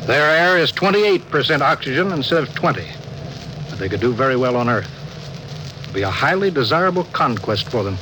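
An actor playing a stern, weary starship captain who gives clipped, commanding orders in a 1950s radio drama. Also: male voice, mid-range voice, sing-song, brisk, close to an everyday voice. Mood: grim. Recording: hissy old radio broadcast.

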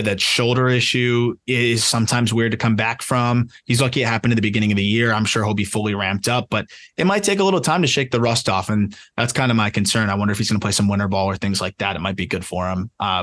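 A man's voice: on the low side, fast talker, few pauses, a bit bright. A man co-hosting a podcast, talking animatedly in casual chat, often laughing and restarting his sentences. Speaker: podcast co-host, prospect analyst.

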